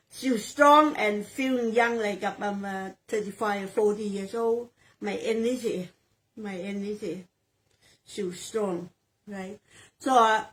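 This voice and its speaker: Slow-speaking Thai woman in her sixties. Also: medium pitch, poor audio. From Thailand. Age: 60s. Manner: halting, searching for words, repeats phrases. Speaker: real estate sales agent. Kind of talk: interview answers in English.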